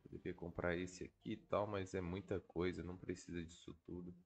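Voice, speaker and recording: A man's voice: low-pitched, little pitch movement, a little fast, creaky, husky. A Brazilian man with a stuffy, congested nose from a cold, thinking aloud in casual, slangy gameplay commentary. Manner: informal, slangy, swearing. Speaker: gaming video creator.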